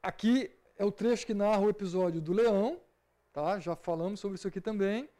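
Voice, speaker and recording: A man's voice: high-pitched, a little fast, warm tone. A man with a Brazilian Portuguese accent, leading an informal Bible study lesson in a conversational way and often checking in with his listeners. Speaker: Bible teacher.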